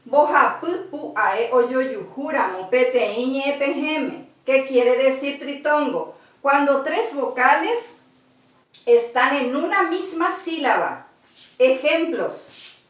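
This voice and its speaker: High-voiced woman teaching in an echoey room. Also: a bit bright. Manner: spells out syllables slowly, repeating each example word. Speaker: language teacher. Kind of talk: slow spoken language lesson. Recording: roomy echo, far from the mic.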